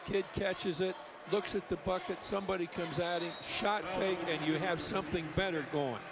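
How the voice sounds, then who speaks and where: A man's voice: high voice, fairly even intonation, normal speed, creaky. A man giving color commentary on a basketball game, explaining plays in a folksy, coaching way. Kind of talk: basketball analysis. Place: arena broadcast booth. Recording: loud crowd noise behind.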